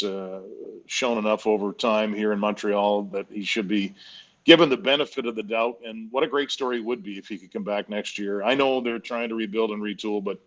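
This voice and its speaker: A man in his fifties from Nova Scotia with a fairly low voice. He talks casually as a sports commentator taking part in a panel discussion. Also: sharp tone, rough recording. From Nova Scotia, Canada.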